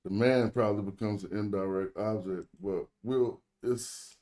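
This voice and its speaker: A man's voice: on the low side, steady tone, normal speed, mellow. An American man speaking African American Vernacular English, teaching informally with loose, slangy phrasing as he hosts an online group lesson. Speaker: host and language teacher. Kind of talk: casual teaching chat in an online group call.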